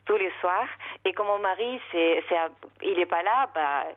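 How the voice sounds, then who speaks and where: A middle-aged woman, not a native French speaker, calling in to a radio show and talking haltingly, repeating words and searching for them. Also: lowish voice. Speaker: caller. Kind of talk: emotional call-in confession. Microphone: telephone. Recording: phone line.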